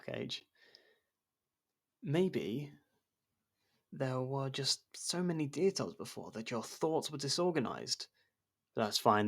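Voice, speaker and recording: Creaky-voiced, guarded male convict played by an actor. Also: medium pitch, a bit bright, exaggerated voice. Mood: lighter, teasing. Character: jailed man helping an investigator, guarded, blunt, wryly supportive. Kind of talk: ASMR roleplay audio drama.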